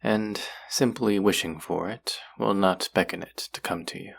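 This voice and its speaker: A man playing a courtly, possessive demon in a roleplay audio drama, speaking formally and deliberately in a husky, gravelly voice. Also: sits low, a bit bright, full character voice. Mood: gentle, consoling. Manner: formal, slow, deliberate, coaxing. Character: possessive, courtly male demon who hungers for hearts. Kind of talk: scripted roleplay audio drama addressed to the listener.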